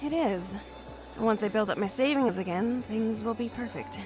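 A woman's voice: on the high side, normal speed, over music, lightly acted. A woman playing a guarded, overworked young woman. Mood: reserved. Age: 20s. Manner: reserved, defensive, a little awkward. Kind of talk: audio drama acting.

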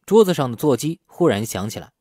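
A man's voice: medium pitch, big pitch swings, fast, mellow, no echo, clean studio sound. A man narrating a novel in a scripted audiobook style.

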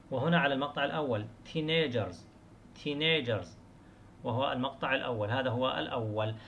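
A male teacher walks students through an English lesson, explaining in Arabic and then reading English phrases out slowly and carefully. He repeats single words several times to model their stress, with a faint hum of ambience behind him. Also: medium pitch, creaky, a bit bright. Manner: switches between Arabic explanation and slow English examples.

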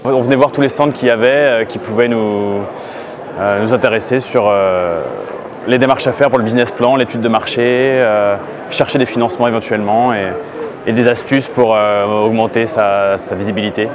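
A man's voice: on the low side, fairly even intonation, normal speed. A young man in his twenties interviewed at a crowded trade fair, speaking hesitantly with many fillers. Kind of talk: street interview. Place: busy indoor exhibition hall. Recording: busy crowd noise behind. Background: crowd chatter.

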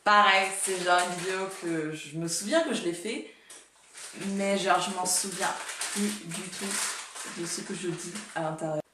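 A chatty nineteen-year-old woman talking at her home desk, slightly low-pitched for her age, with quick self-mocking asides. The room rings around her voice, and she sits some way back from the mic. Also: reverberant, distant mic, noisy background. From Russia and Canada. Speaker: youtuber reacting to her old videos. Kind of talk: casual reaction vlog. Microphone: earphone headset mic.

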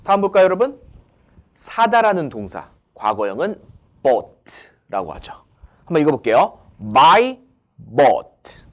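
A male English teacher with a very animated voice that swoops up and down. He talks slowly and reads each English example with deliberate care. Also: a little high. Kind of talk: online English lesson.

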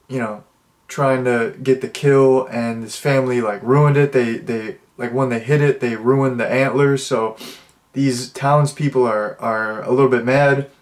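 Young man, congested nose, loose rambling reviewer, medium pitch. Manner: rambling, many restarts and fillers. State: stuffed-up nose. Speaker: movie reviewer. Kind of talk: casual spoken review, thinking out loud.

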